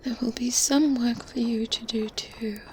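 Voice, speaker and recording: Calm and self-assured, a woman whispers as a knowing good witch in an ASMR roleplay, breathy, gently condescending, with slow, deliberate hesitant pauses and hums. Her natural voice is fairly high with fairly even intonation. The rough recording comes from a close binaural mic, with faint ambience and medieval sounds behind.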